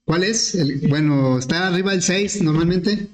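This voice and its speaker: A man teaching programming, explaining step by step with questions to the class and often clearing his throat. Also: high voice, unhurried. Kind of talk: screen-recorded class explanation. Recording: echoey room.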